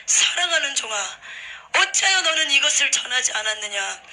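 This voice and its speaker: A solemn, exalted male divine figure, put on by a woman telling a testimony, proclaims in loud, archaic phrases. The voice sits high and rings sharp and bright. The lines pour out in grand, formal declarations. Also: sing-song, normal speed, full character voice, low-quality recording. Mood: stern rebuke.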